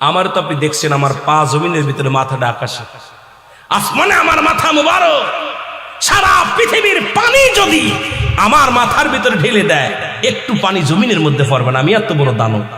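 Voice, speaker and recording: A man's voice: sits high, bright, forceful tone, echoey room, in a large hall, exaggerated voice. A man voicing a towering male angel of death who explains himself in a deferential, solemn way.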